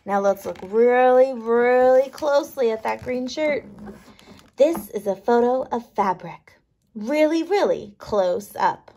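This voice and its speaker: A woman kindergarten teacher reading a picture book aloud, playful and expressive, leaning on key words. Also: on the high side, slow, slight background noise.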